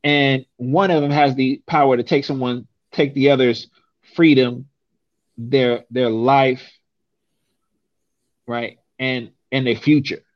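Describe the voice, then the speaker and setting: A man's voice: medium pitch, fairly even intonation, slow, long pauses, no room sound. Emphatic man, muffled dry sound. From San Francisco. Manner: emphatic, rhetorical, repeats "right?". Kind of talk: casual conversation.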